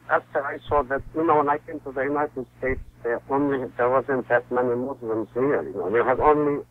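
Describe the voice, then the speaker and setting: A man in his sixties from Palestine, a guest author speaking in a halting way with many fillers and restarts. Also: mid-range voice, no room sound. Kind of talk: phone-in interview. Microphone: telephone. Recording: tinny phone line.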